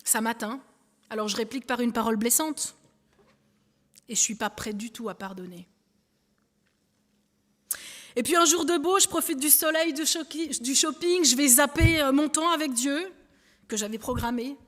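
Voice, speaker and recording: A woman with a high, bright-toned voice preaches in a relaxed, conversational way, turning to a helper and then to the congregation. Her words ring out with a long reverb, as in a church hall. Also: normal speed. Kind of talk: sermon illustration with a balloon.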